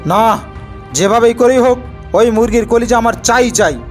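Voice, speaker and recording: A woman's voice: on the high side, moderate pace, faint music behind, voice pushed up, natural voice. A woman voicing a ruthless male jeweller, the villain of a cartoon folk tale, emphatic and threatening. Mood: demanding.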